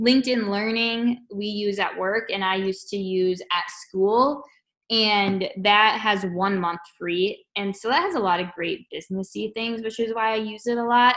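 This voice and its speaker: In an American accent, a woman with a plain, everyday voice speaks at a fairly slow pace and medium pitch, with fairly even intonation and hardly any pauses. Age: 20s. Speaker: podcast co-host. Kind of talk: casual chat.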